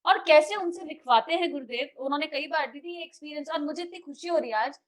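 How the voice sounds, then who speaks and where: A young woman leading a spiritual study group, telling stories in an animated way and mixing Hindi and English. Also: high voice, fast talker. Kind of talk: casual group sharing.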